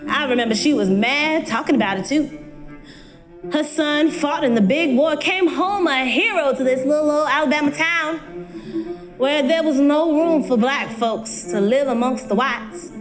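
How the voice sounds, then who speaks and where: A woman performing a dramatic stage monologue as a young Black college woman, folksy, earnest and full of pauses. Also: high voice, faint music behind, lightly acted. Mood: recalling, then indignant. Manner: folksy, earnest, pausing storyteller.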